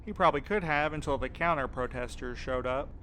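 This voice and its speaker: A man's voice: medium pitch, fairly quick, a bit bright, a little hiss or hum, lightly acted, low-quality recording. A man acting a candid, easygoing, wryly friendly character, casual and matter-of-fact, in audio drama dialogue.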